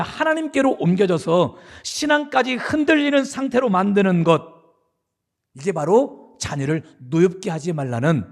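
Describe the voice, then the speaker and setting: A man's voice: high-pitched, vocal fry. A middle-aged man, the senior pastor, preaching a sermon in a church sanctuary in a conversational way, asking his listeners questions.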